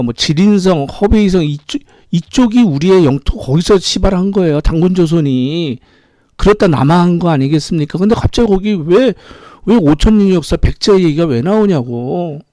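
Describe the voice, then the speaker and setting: A man's voice: fairly high pitch, warm tone, no echo. A middle-aged man giving an opinionated political monologue as a commentator. He talks indignantly and keeps firing rhetorical questions.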